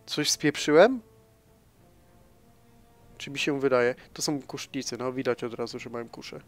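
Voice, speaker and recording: A man commentating his own strategy gameplay, thinking aloud, addressing viewers and swinging between soft mumbling and sudden loud exclamations. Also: medium pitch, unhurried, faint music behind. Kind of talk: casual let's-play commentary.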